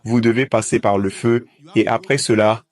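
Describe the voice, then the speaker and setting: Low mellow-voiced man, polite but persistent. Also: steady tone, moderate pace. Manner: persistent, polite, reads references aloud. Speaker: audience questioner. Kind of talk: public question-and-answer debate.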